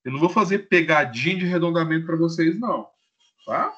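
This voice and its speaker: A man's voice: on the high side, animated, brisk, sharp tone. A man with a Brazilian Portuguese accent teaching a live online chemistry class, playful and joking as he acts out little scenes with students. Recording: dull lo-fi stream audio.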